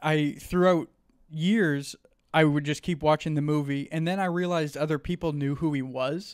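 Very clean, with a silent background, this recording has a man with an ordinary speaking voice. He talks at a moderate pace and a fairly high pitch, his intonation fairly even. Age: 20s. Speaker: stand-up comedian and podcaster. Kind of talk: interview.

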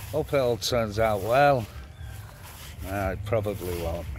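Lively intonation from a somewhat breathy man at medium pitch, at a fairly slow pace. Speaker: vlogger and farmer. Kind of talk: casual vlog talk to camera.

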